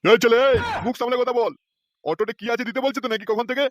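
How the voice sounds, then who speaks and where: A man's voice: very high-pitched, fairly even intonation, quick pace, no echo, clean studio sound. A man voicing a stingy, hot-tempered middle-aged man in a cartoon who blusters and threatens. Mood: blustering. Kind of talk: cartoon voice acting.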